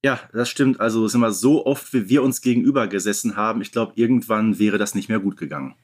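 A man's voice: lowish voice, quick pace. A man from Germany co-hosting a podcast in casual chat, connected remotely from home. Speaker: podcast co-host.

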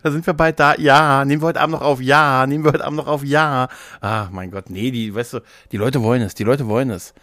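A man's voice: medium pitch, steady tone, fast talker, hardly any pauses, fairly bright tone, no room sound. A man chatting casually as a podcast co-host, rambling and often interrupting himself.

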